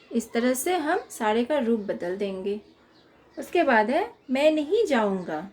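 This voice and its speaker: A woman's voice: high voice, a little mellow. A woman teacher explaining a children's workbook lesson, reading out questions and patiently dictating the answers.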